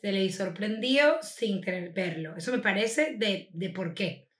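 A woman's voice: mid-range voice, expressive, normal speed. Opinionated Venezuelan woman in an echoey room. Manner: blunt, opinionated, acts out quotes. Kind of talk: casual chat. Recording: roomy echo.

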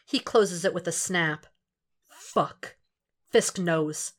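A woman's voice: on the low side, animated, slow pace. A woman reading scripted fiction aloud as an audiobook narrator, in a dramatic storytelling style.

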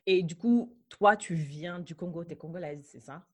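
A woman's voice: fairly low pitch, normal speed, darkish tone. Laid-back woman co-hosting a podcast. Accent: slight English-influenced French. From Mauritania. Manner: code-switching, laughs easily. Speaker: podcast co-host. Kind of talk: casual chat mixing French and English.

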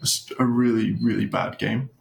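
A young Scottish man, a research engineer, explaining things as an interview guest in a relaxed, thoughtful way with fillers. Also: lowish voice, normal speed, vocal fry. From Scotland. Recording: roomy echo.

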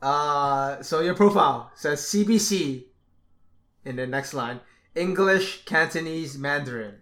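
A man's voice: a little high, a little slow, a bit bright. A young man co-hosting a podcast, teasing his friend and asking questions in casual chat. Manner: teasing, questioning, reads items aloud. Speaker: podcast co-host.

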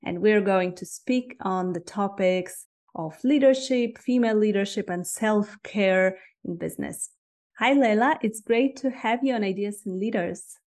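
A woman's voice: medium pitch, unhurried, darkish tone. A woman hosting an interview podcast, introducing the show and putting questions to a guest. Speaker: podcast host.

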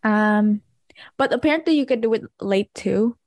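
A woman's voice: fairly high pitch, normal speed, darkish tone, dry recording, clean studio sound. A young woman with an Indonesian accent, explaining eagerly in casual chat with friends, breaking into laughs.

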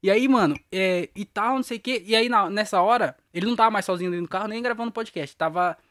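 A man's voice: high-pitched, fast, fairly bright tone. Young man rambling about a dream. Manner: rambling, slangy, laughs at himself. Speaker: podcast host. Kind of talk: casual solo podcast storytelling.

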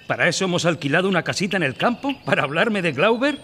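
A man's voice: sits high, sing-song, fast talker, sharp tone, a little hiss or hum, exaggerated voice. A man playing an exasperated, teasing friend in naturalistic audio drama dialogue, conversational and full of reproachful questions. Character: exasperated, teasing male friend of a radio scriptwriter.

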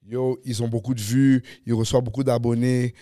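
A man's voice: mid-range voice, little pitch movement, fairly quick, dark tone, no room sound, clean studio sound. A man with a Québécois French accent, a guest comedian, chatting casually in slangy French mixed with English, laughing often. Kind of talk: casual podcast chat.

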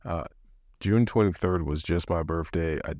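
A man's voice: low voice, normal speed, darkish tone, dry recording, studio quality. A man in his thirties hosting a solo podcast, talking casually and rambling with many restarts and fillers. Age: 30s. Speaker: podcast host.

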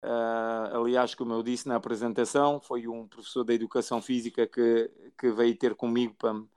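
A man in his forties, a basketball coach born in Portugal and raised in France, answering interview questions haltingly with many fillers. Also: medium pitch, little pitch movement, darkish tone, clean tone. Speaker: basketball assistant coach, guest.

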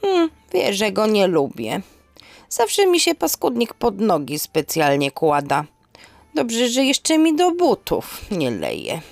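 A woman voicing a grumbling, folksy elderly aunt in an audio drama, scolding yet affectionate, with exclamatory, drawn-out speech. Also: mid-range voice, wildly swooping pitch, creaky, a little mellow, dry recording, pitched above the performer's own voice, exaggerated voice. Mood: sour, complaining.

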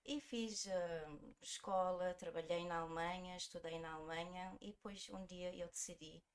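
A woman's voice: fairly low pitch, fairly even intonation, normal speed. A woman in her forties from Germany with a European Portuguese accent, telling her story conversationally as a podcast guest. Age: 40s.

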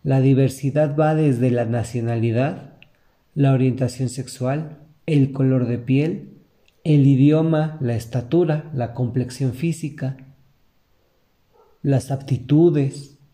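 A Mexican man hosts a podcast in an earnest, motivational monologue, addressing the listener directly. His voice is very dark and mellow, and he takes his time with each phrase. His pitch sits in the middle range for a man. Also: fairly even intonation, takes it slowly. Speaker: podcast host.

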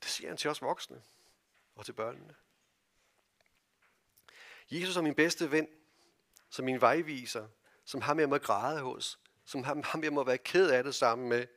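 A Danish man preaches in a church with an average-pitched voice. He talks earnestly and a little haltingly, with fillers and restarts. His volume swings from soft, hushed phrases to loud calls to the congregation. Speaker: pastor. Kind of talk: sermon.

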